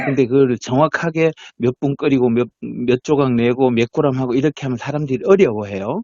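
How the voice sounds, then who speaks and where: A man's medium-pitched voice in a strong Gyeongsang accent. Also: ordinary pitch variation. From Gyeongsang region, Korea. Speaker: health education lecturer. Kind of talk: interview answer.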